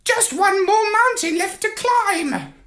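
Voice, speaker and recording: A man's voice: very high voice, lively intonation, takes it slowly, bright, forceful tone, voice pushed up, full character voice. A man voicing a bossy, brainy male parrot who talks down to others in a storybook reading. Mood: weary. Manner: lofty, superior.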